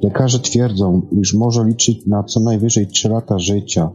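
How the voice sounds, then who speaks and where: A man hosts a science programme, reading scripted narration haltingly, stumbling and repeating words. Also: on the low side, steady tone, a little mellow, breathy edge. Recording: dull lo-fi sound. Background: music.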